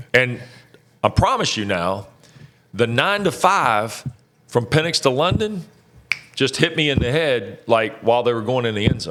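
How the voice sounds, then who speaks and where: A man talks at a moderate speed, leaving long, frequent pauses, while noticeable background noise runs underneath. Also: medium pitch for a man, lively intonation. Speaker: professional sports play-by-play broadcaster. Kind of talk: interview answer, storytelling.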